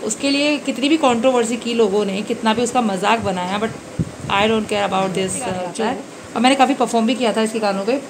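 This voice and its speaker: A woman in her thirties with a hoarse voice, chatting casually to viewers in a home vlog, holding a phone camera at arm's length. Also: on the high side, moderate pace. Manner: chatty, addresses viewers directly. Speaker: vlogger. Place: small room at home, indoors. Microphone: phone camera held at arm's length. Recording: noisy home phone recording.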